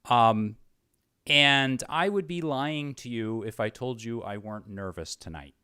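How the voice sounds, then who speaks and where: A man hosting an interview show in an unscripted, conversational way, halting and repeating words, earnest and effusive. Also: medium pitch, bright, forceful tone, clear, resonant tone, no echo, studio quality.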